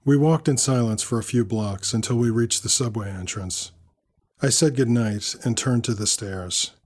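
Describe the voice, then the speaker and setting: Measured male audio fiction narrator. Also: medium pitch, darkish tone. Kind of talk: first-person dramatic story narration, scripted.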